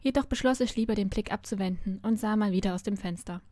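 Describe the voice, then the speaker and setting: A woman's voice: medium pitch, fast, warm tone, no echo. A woman reading a novel aloud, narrating expressively in the first person. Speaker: story reader.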